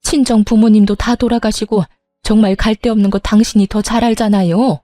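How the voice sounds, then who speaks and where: A woman reads out a desperate young husband who begs and whines, self-serving to the core. The voice sits mid-range and sounds mellow and dark, close and dry, as in an audio storybook. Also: mid-range voice, steady tone, a little fast, no room sound, lightly acted. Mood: pleading. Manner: begging, whiny.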